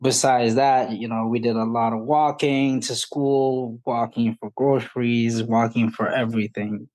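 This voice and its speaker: A man in his thirties from Ethiopia, a podcast guest speaking in an unhurried, thoughtful way about his life. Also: medium pitch, steady tone, darkish tone. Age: 30s. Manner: unhurried, thoughtful, restarts often. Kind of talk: casual interview.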